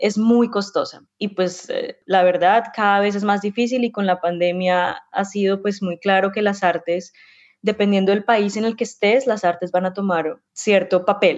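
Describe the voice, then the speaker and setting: At a fairly slow pace, a woman speaks with medium pitch and fairly even intonation. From Colombia. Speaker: opera singer. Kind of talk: interview. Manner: halting, frequent word repetitions.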